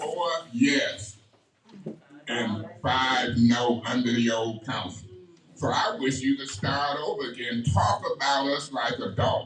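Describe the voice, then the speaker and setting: At a very slow pace, a man with a medium pitch and ordinary pitch variation speaks amid audible room echo and noticeable background noise. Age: 60s. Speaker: resident speaking at public comment. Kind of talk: public comment at community meeting. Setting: community meeting with audience.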